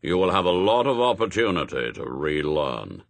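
A man voicing a lofty, imperious heavenly spokesman for God in a storybook, speaking in a pompous, measured, formal way. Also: low-pitched, big pitch swings, gravelly, dry recording, exaggerated voice. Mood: coolly commanding.

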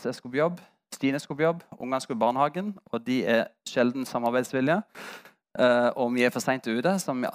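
Man, 30s, pastor, sermon, candid personal storytelling, self-mocking humor. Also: medium pitch. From Norway.

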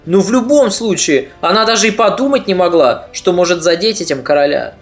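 A podcast narrator reading a scripted history story in a steady, even manner. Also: medium pitch, fairly quick, faint music behind.

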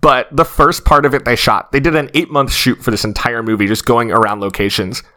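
A young man co-hosting a casual film podcast, chatty and animated as he tells stories. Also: medium pitch, a little fast. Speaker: podcast co-host.

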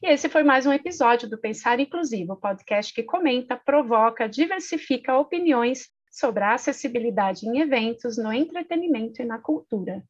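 A woman's voice: on the high side, expressive, moderate pace, hardly any pauses. A woman with a Brazilian accent hosting a podcast in a conversational interview style. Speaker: podcast host. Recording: dull, lo-fi audio.

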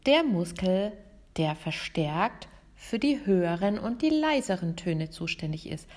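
A woman, hosting a podcast lesson as a vocal coach, talking directly and lively to the listener. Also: on the low side, measured pace. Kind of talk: podcast lesson on singing technique.

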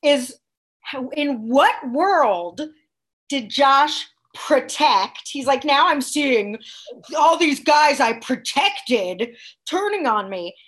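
A woman's voice: sits high, lively intonation, takes it slowly, fairly bright tone. A woman co-hosting a reality show aftershow, chatting casually, sarcastic and mocking, and mimicking people in whiny voices. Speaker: podcast co-host.

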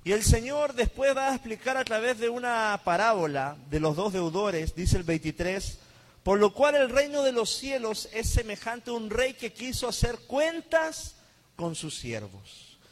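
A pastor preaching fervently to his congregation and livestream, reading scripture and praying, his voice swinging between highs and lows. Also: sing-song, a little slow, in a large hall. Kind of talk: livestreamed sermon with Bible reading and prayer.

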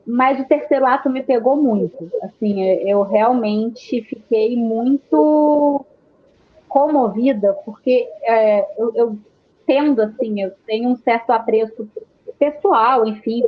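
A woman's voice: a little high, slow, phone-quality sound. A woman with a Carioca accent chatting casually about films in informal Rio street slang, with casual swearing. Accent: Carioca (Rio de Janeiro). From Rio de Janeiro, Brazil. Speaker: panelist discussing films.

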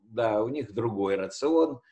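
A man's voice: on the low side, lively intonation, unhurried, warm tone. A man teaching history conversationally, explaining with hesitations and rephrasing his key words as he goes.

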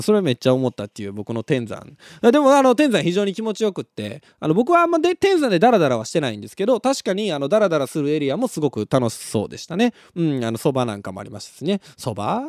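Young kansai guy on a late night radio show, fairly high voice, pitch jumps all over, dry close mic. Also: fast talker, no room sound. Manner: animated storytelling, laughs at his own story. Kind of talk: casual live radio talk.

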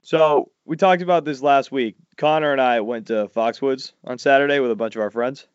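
A man, hosting a casual podcast chat and telling stories loudly, his voice jumping up high when he gets worked up. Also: normal speed, smooth, no room sound. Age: 40s. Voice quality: loud voice. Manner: animated storytelling, swings high when excited. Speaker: podcast host. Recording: dull lo-fi dry sound.

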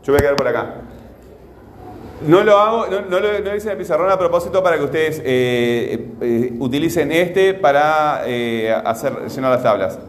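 A man's voice: fairly high pitch, expressive, moderate pace, echoey room, slight background noise. A man teaching a grammar lesson to a class, patient, repeating himself and using many fillers.

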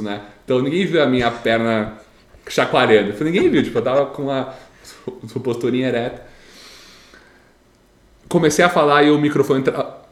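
A young Brazilian man telling a story in casual chat, animated and repeating himself, with a slight stammer. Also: mid-range voice, reverberant. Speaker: storyteller recounting his graduation speech.

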